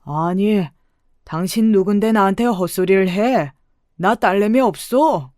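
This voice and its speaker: A woman voicing a blustering elderly male con man in a storybook drama, shouting his denials. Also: medium pitch, unhurried, no room sound, studio quality, natural voice. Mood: indignant.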